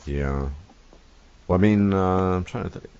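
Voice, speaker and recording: A man with an extremely deep voice hosts a casual interview. He speaks haltingly, restarts his phrases and drops dry, sardonic asides. The sound is dull and lo-fi. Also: darkish tone, smooth. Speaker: host and interviewer. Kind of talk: casual conversation, asking questions.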